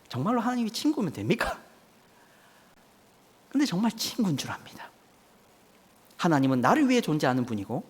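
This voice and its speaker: Casting: male preacher, wildly swinging pitch, rhetorical questioning sermon style. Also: breathy edge, in a large hall. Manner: rhetorical questions, acts out a child crying for mom.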